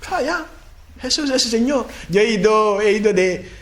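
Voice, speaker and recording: A man from Africa delivers a sermon in a high, light voice. He talks in halting bursts, repeating and restarting words. When he builds into chanted declarations, his pitch rises even further. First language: a language of his homeland. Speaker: preacher.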